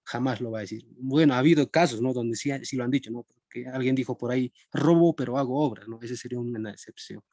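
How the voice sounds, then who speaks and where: Young male teacher, chatty and conversational, warm mellow tone, dry close recording. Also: mid-range voice, steady tone, quick pace, few pauses, no echo. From Peru. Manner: conversational, checks in with students often. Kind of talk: live-streamed philosophy class.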